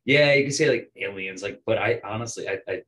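An American man in his twenties, a musician guest on a podcast, talking in an animated, emphatic way and swearing casually. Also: lowish voice, brisk. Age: 20s.

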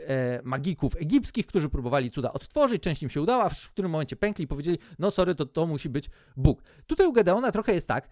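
A man's voice: sits high, darkish tone, no echo, studio quality. A man giving a casual, joking Bible teaching, retelling the story in colloquial storyteller style.

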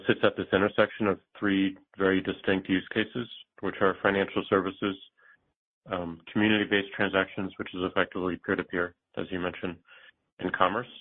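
A man with a very low voice speaks over a narrow phone-like line. He answers as a company executive, explaining in a halting, thoughtful way and pausing mid-phrase. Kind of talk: earnings call answers, explanatory. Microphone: conference call line.

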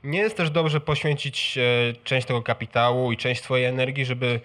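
A man in an audience putting a spontaneous question in halting, careful phrases. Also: mid-range voice, fairly bright tone. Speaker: audience member asking a question.

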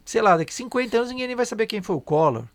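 A man's voice: high-pitched, expressive, racing. A man, hosting a casual discussion and explaining at length, often checking in with tag questions. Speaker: podcast host and history teacher.

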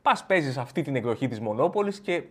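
A young adult man hosting a comic monologue, telling a story with plenty of energy and switching into other people's voices. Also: mid-range voice. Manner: animated, acts out friends' voices. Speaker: comedian host. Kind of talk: stand-up style comic monologue.

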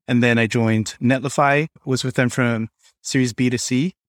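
A man talks as a guest on a tech podcast, explaining things conversationally. His pitch is middling for a man, and the sound is very dry, with little room around the voice. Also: fairly even intonation, moderate pace, no echo. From Singapore. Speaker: podcast guest, developer experience lead.

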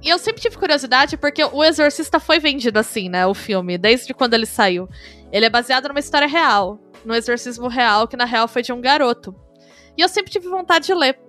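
A woman's voice: sits high, lively intonation, fairly quick, fairly bright tone, faint music behind. A Brazilian woman hosting a podcast, chatting in an enthusiastic, explanatory way. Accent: Brazilian Portuguese. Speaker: podcast host. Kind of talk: casual podcast chat.

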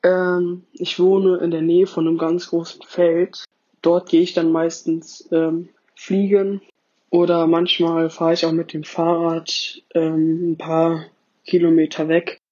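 A man's voice: fairly high pitch, completely flat delivery, takes it slowly, warm tone. A male podcast listener giving a simple personal account in a dull, lo-fi voice message. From Wiesbaden, Germany.

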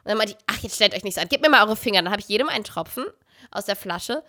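A woman's voice: medium pitch, racing, no echo, clean studio sound. A young woman co-hosting a podcast, chatting casually and telling stories with lots of laughter. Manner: chatty, animated storytelling with laughter. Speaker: podcast co-host. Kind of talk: casual chat.

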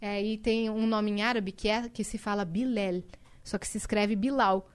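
A young woman guest on a podcast in a studio, telling lively stories and laughing often. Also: medium pitch, normal speed, smooth. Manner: lively storyteller, laughs a lot. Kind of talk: casual podcast chat.

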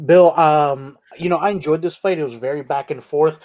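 A man's voice: a little high, steady tone, normal speed, darkish tone. A man co-hosting a casual sports podcast, joking and wry. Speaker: podcast co-host. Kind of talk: casual chat.

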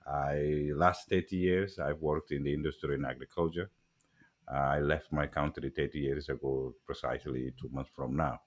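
Very deep-voiced Somali-accented man. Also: steady tone. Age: middle-aged. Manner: halting, many fillers and restarts. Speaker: guest, agriculture executive. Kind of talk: casual interview talk.

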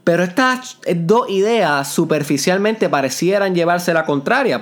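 Puerto Rican man, earnest podcast host. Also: on the high side. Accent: Puerto Rican Spanish. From Puerto Rico. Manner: earnest, explanatory, mixes in English words. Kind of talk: motivational podcast monologue. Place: parents' house in the countryside. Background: neighbor's old music and roosters.

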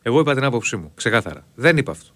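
A man hosting a call-in radio show, calmly trying to settle an agitated caller. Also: mid-range voice. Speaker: radio host.

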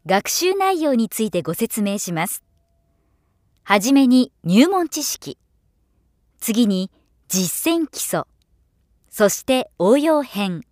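A woman who works as a professional voice-over narrator, reading a script in a formal, measured, clearly articulated way. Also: on the high side, sing-song, a little mellow, no room sound, studio quality. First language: Japanese. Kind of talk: polished scripted narration for demos.

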